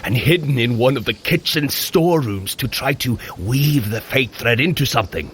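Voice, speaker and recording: Guy doing big-hearted norse warrior god, teasing older-brother type, bright n animated, radio play with some background sound. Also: medium pitch, normal speed, a little hiss or hum, lightly acted. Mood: amused, teasing. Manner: jovial, chuckling storyteller. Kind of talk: audio drama acting.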